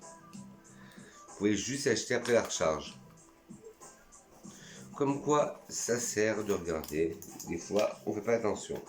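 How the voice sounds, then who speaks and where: A man's voice: on the low side, expressive, takes it slowly, long pauses, roomy sound, soft background music. A man from France chatting casually and enthusiastically in a vlog, reviewing his perfumes and sometimes talking to himself. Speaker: perfume YouTuber.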